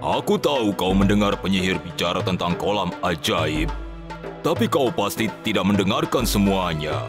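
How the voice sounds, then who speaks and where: A man's voice: low voice, very animated, moderate pace, music in the background. A man voicing a fatherly king in a children's fairy tale, grave, concerned and commanding. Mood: gently scolding.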